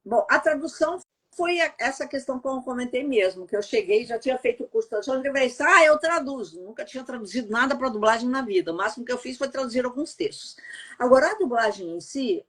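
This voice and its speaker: A woman's voice: a little high, lively intonation, brisk, fairly bright tone, breathy edge. A middle-aged Brazilian woman from Goiás with a neutral accent, chatting casually in an interview over a call and often tagging sentences with "né?". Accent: neutral Brazilian Portuguese, no regional accent. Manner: chatty, frequent "né?" tags, laughs easily. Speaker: voice actress and translator, podcast guest. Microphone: remote call.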